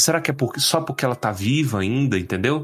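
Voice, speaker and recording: This man's intonation is lively. Background noise can be noticeably heard. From Brazil. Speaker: podcast host. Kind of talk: casual chat. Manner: animated.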